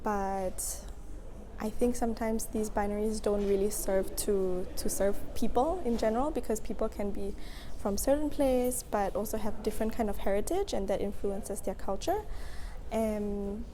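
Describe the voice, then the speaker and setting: A woman's voice: medium pitch, moderate pace, warm tone, slight background noise. A young woman from Singapore answering interview questions thoughtfully, with frequent ums and laughs.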